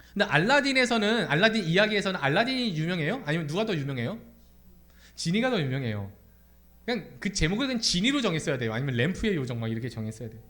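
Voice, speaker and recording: Casting: young male preacher, lively sermon delivery with a high, expressive voice. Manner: animated, asks the congregation many questions. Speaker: pastor. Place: church sanctuary.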